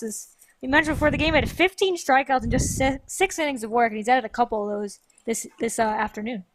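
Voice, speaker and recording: A woman's voice: sits high, slight background noise, rough recording. A woman giving conversational analysis as a co-commentator on a live baseball game. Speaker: sports co-commentator.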